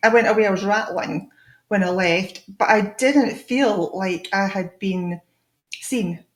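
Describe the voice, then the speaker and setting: A woman talks at a fairly slow pace, her medium pitch moving with ordinary variation. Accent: Scottish. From Scotland, Edinburgh. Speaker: energy healer. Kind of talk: interview.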